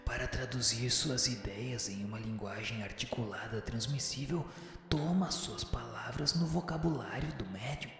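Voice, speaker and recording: An actor playing a solemn, learned spirit with a breathy voice, giving formal, measured, didactic answers in a radio drama, through cavernous reverb. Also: mid-range voice. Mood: solemn, instructive. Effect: long cavernous reverb. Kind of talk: scripted radio drama reading. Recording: heavy echo and long reverb. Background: music.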